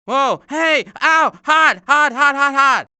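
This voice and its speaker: A man voicing a fretful, long-suffering turtle in an animated video game. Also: very high voice, takes it slowly, heavily acted. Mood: agitated. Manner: fretful, exasperated, hesitant.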